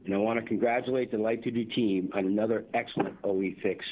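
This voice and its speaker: A man reads prepared company results on an earnings call in a formal, measured corporate delivery. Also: on the low side, steady tone. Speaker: company executive presenting quarterly results. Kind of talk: scripted earnings-call presentation. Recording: dull, band-limited conference call audio.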